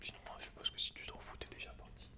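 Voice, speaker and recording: A man whispering in breathy ASMR style, reading aloud with informal, slangy asides, close to the microphone. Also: rapid-fire. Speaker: host of an ASMR channel.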